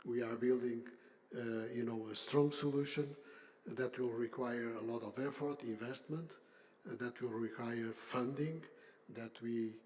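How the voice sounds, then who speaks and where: An older man, a chief executive, giving a semi-formal unscripted conference speech with halting, deliberate phrasing. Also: mid-range voice, fairly even intonation, a little mellow, slight background noise. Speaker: industry association CEO, panel speaker.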